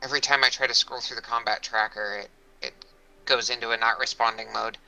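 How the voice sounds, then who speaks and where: A man running an online tabletop game as game master, halting and thinking aloud as he goes. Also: medium pitch, fairly even intonation, pushed and bright, low-quality recording.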